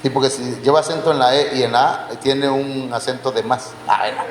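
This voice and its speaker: A man's voice: medium pitch, steady tone, a little fast. A man preaching a Bible teaching sermon, quizzing his congregation with questions and calling them brothers. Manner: addresses listeners as brothers. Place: church hall. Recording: echoey church hall, faint background noise.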